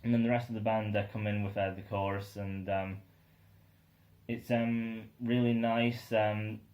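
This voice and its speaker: A man's voice: on the low side, flat delivery, unhurried, darkish tone. Rambling young man reviewing an album. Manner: rambling, many ums and uhs, enthusiastic. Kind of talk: casual spoken album review.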